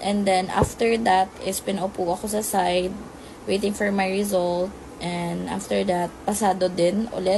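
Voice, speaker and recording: A woman talks at a fairly slow pace in a medium pitch, her intonation monotone and flat, with noticeable background noise. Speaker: vlogger. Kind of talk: casual vlog narration. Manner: hesitant, filler-heavy.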